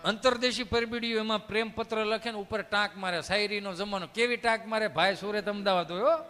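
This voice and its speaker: Telling comic folk stories live, a stand-up storyteller from the Dhari area of Saurashtra, Gujarat, uses a Kathiawadi Gujarati accent and acts out the dialogue in a chatty way. His high voice moves at a quick pace with fairly even intonation, sounding pushed and bright. Faint music plays behind him in a large hall.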